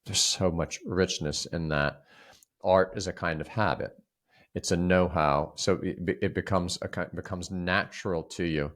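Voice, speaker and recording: A man co-hosting a reflective conversational discussion, speaking haltingly with frequent repeated words and restarts. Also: low-pitched, steady tone, fairly bright tone. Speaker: podcast co-host.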